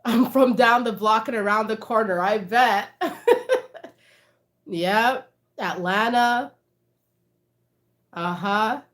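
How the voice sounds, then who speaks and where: A woman, chatting casually with livestream viewers, reading out their comments and laughing often. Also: a little high. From Canada. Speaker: livestream host.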